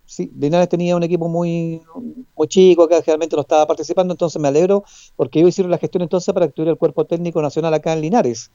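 A man's voice: fairly high pitch, steady tone, very fast, warm tone, clear, resonant tone, dry recording, lo-fi sound. A man with a Chilean accent hosting a casual sports radio show, often tagging his remarks with little checking questions. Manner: frequent checking tag questions.

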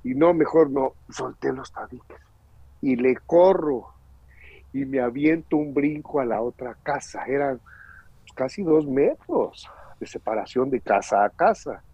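Husky, gravelly middle-aged Mexican man. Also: medium pitch, expressive, measured pace, warm tone, no echo. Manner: earnest, emotional storyteller who acts out the voices in his story. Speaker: guest giving a personal testimony. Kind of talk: personal testimony in conversation. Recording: dull lo-fi recording.

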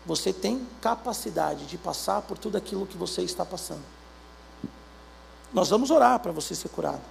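A Brazilian pastor preaching a sermon, acting out little dialogues between God and believers in an animated way. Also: male voice, high-pitched, normal speed, creaky, a little hiss or hum. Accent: Brazilian Portuguese.

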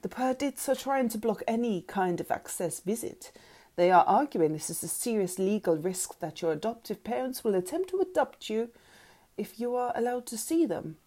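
A woman's voice: a little high, lively intonation, moderate pace, warm tone, voice pushed up. A woman voicing a grave male lawyer, speaking formally and carefully in an audiobook. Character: grave male lawyer giving bad news. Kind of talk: dramatised audiobook character dialogue.

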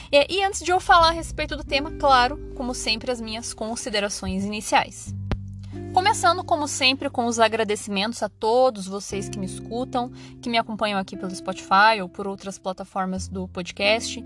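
A woman with a Paraná Brazilian Portuguese accent hosting a podcast in a chatty monologue, laughing and exclaiming often. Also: medium pitch. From southern Brazil. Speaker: podcast host.

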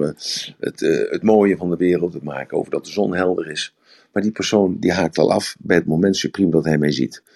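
A man's voice: a bass voice, creaky, a little mellow. A man giving a rambling, explanatory talk on communication in a live audio room, often repeating words. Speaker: speaker on communication.

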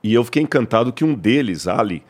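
A man's voice: medium pitch, expressive, fast talker. A Brazilian man, a podcast guest, telling a travel story in an enthusiastic, chatty way. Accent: Brazilian Portuguese. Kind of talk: casual storytelling.

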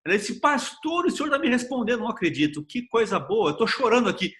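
A Brazilian pastor with a Bahian accent, giving an earnest devotional sermon told through a personal story. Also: male voice, very high-pitched, sing-song, fast talker, fairly bright tone. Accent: Bahian Portuguese.

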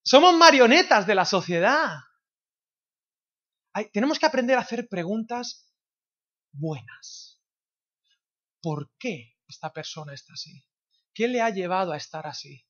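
A man's voice: high-pitched, expressive, normal speed, pauses often. A man from preaching a sermon in a church, firing rhetorical questions at the congregation. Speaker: pastor. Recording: dull slightly lo-fi sound.

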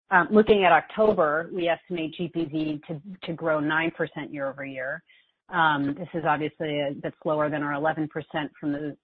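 A woman company executive giving measured, detail-focused explanations of financial results on an earnings call. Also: deep voice, slightly rough. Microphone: conference call line. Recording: muffled narrow phone-like call line.

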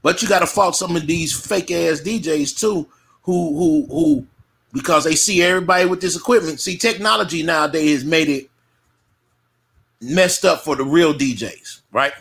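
A man's voice: fairly high pitch, normal speed, vocal fry. A man in his fifties who works as a DJ, chatting casually and animatedly with plenty of profanity and repetition. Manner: animated, profane, repeats himself. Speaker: DJ and co-host. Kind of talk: casual chat.

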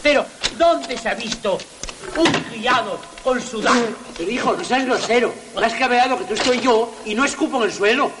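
An actor playing a flustered, exasperated elderly marquis who stammers, on an old film soundtrack. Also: male voice, very high voice, normal speed, noisy background. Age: older.

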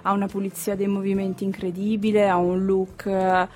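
A woman being interviewed as a performer in casual chat, often pausing to search for words. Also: mid-range voice, monotone, dark tone. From southern Italy. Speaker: interview guest, burlesque performer. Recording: music behind the voice. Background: music.

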